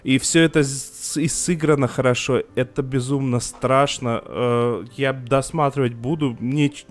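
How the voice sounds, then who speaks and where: A man's voice: mid-range voice, steady tone, a little slow. A young man co-hosting a podcast about TV series, talking casually and emotionally, with frequent restarts and filler sounds. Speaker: podcast co-host reviewing TV series.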